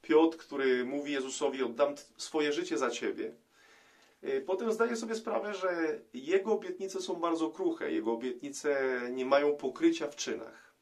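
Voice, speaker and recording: A middle-aged man, a priest, giving a reflective gospel commentary to camera in a small room, pausing often with hesitation sounds. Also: on the high side. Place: small indoor room, plain wall.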